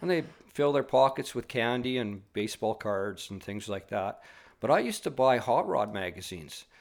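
A man with a Canadian Prairies accent speaks at medium pitch with ordinary pitch variation. The recording is very clean, with a silent background. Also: moderate pace. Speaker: auto mechanic and car enthusiast. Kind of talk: casual interview. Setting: home garage.

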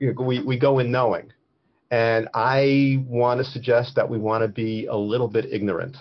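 This man speaks at a medium pitch, his somewhat breathy voice keeping a fairly even intonation. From US Northeast (Brooklyn, New York). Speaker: marketing consultant. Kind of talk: casual chat.

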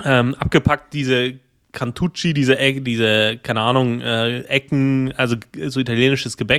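In a very clean recording with a silent background, a man of medium pitch speaks at a moderate pace with fairly even intonation. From Rhineland-Palatinate, Germany. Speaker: podcast co-host, manager. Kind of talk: casual chat. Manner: hesitant, many fillers and repetitions.

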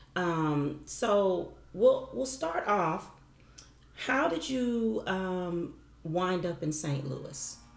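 With audible room echo, a woman with a fairly low pitch talks at a very slow pace using lively intonation. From Mississippi. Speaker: podcast co-host and former professor. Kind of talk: casual chat.

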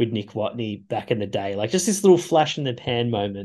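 Against a quiet background, a man with an Australian accent speaks at a moderate pace with a medium pitch, a dark, mellow tone and lively intonation. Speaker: golf caddie and golf enthusiast. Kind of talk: casual chat.

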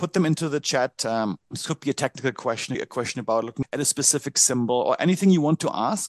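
A man with a German accent at a very fast pace, medium pitch and lively intonation, over a quiet background. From Germany. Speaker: trading software founder and conference speaker. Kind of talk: conference presentation with screen share.

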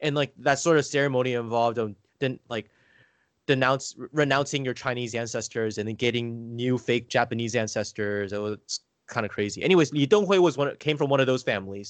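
Against a quiet background, a man with an American accent talks at a fairly quick pace in a plain, everyday voice, with medium pitch, ordinary pitch variation and a dry, close sound with no echo. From United States. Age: 20s. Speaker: rapper. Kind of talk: casual chat.

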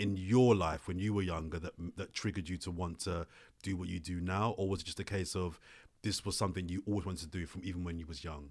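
A man with a London accent and a very deep, low pitch speaks at a very fast pace, with big swings in loudness. The recording is very clean, with a silent background. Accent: London multicultural English. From Brixton, South London. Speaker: podcast host, former DJ and broadcaster. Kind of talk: casual interview chat.

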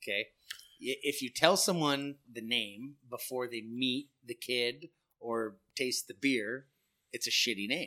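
A man with an American accent speaks at a medium pitch. His tone is bright and sharp, and his pace is very slow. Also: ordinary pitch variation. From California Central Coast. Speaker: head brewer. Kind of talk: casual chat.

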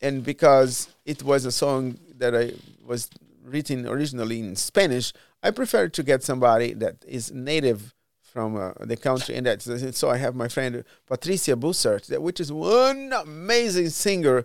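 A man's medium-pitched voice with a Portuguese accent, ordinary pitch variation and a moderate pace, on a very clean recording with a silent background. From Brazil, Bahia. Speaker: musician. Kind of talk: casual interview. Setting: studio.

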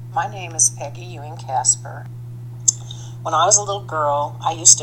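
The voice carries vocal fry. It moves at a fairly slow pace. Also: woman. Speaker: storyteller. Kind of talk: ghost story telling. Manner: casual, matter-of-fact.

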